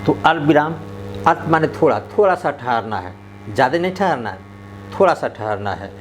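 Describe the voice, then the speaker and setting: A man teaching a grammar lesson who speaks slowly and deliberately and draws out example sentences to show where to pause. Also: on the high side, animated, a little hiss or hum. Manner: slow, deliberate delivery, stretching out example sentences.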